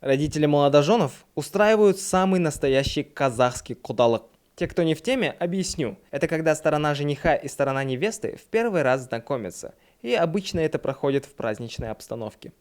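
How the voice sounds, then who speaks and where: A man's voice: a little high, animated, fairly quick, few pauses, darkish tone. A man narrating a scripted comedic film review in a mocking, sarcastic manner. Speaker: film reviewer and video host.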